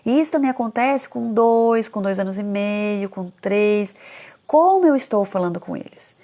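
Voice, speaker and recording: A woman talking casually to parents about children, animated, often acting out parents' complaints in a higher voice. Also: moderate pace. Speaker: parenting educator.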